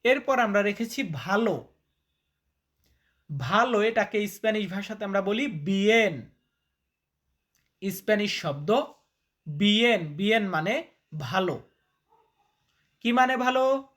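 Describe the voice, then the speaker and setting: A male language teacher talks viewers through a word list at a slow, measured pace. He drills every term by repeating it and quizzing the listener, and he speaks informally and directly, like a friend explaining things. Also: high-pitched, expressive, fairly bright tone. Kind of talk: spoken vocabulary lesson.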